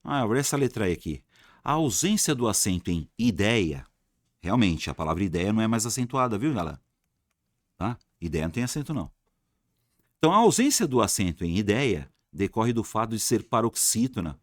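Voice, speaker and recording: A man's voice: on the low side, big pitch swings, fairly quick, no room sound, clean studio sound. A Brazilian man teaching Portuguese grammar for exams in a casual, colloquial way. He repeats key words to drill them and asks his students questions, then answers them himself. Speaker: Portuguese teacher for exam prep. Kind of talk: online grammar lesson.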